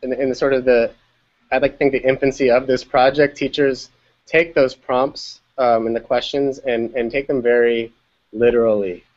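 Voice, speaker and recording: A man's voice: mid-range voice, little pitch movement, normal speed. A man who produces education media, talking casually on a video call and often restarting his phrases. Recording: dull lo-fi video call audio.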